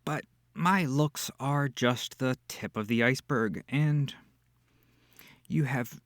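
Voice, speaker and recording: A man's voice: medium pitch, slow pace, a bit bright, no echo, clean studio sound. A man playing a smug, seductive incubus demon in an intimate ASMR roleplay, with theatrical, teasing delivery. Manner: theatrical, teasing, purring, breathy asides.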